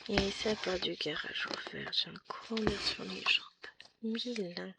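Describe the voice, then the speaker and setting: A tired, hoarse woman vlogging at home, chatting away as she stitches and trailing off into little asides. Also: medium pitch, a little slow. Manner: chatty running commentary, dropping into asides. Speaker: embroidery vlogger. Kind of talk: casual chat while stitching. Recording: noisy home recording.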